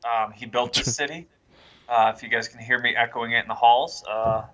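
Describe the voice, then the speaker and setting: A man's voice: medium pitch, steady tone, fairly quick, bright, forceful tone, highs cut off. A man playing on a podcast, chatting casually with wry, teasing jokes. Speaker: podcast player. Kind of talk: casual joking chat.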